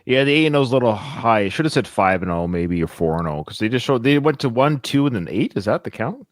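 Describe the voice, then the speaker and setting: A man's voice: medium pitch, fast talker, no room sound, clean studio sound. A man co-hosting a podcast, chatting casually about a movie as he watches it and acting out quoted lines. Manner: animated, acts out quoted lines. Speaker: podcast co-host. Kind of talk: casual film commentary chat.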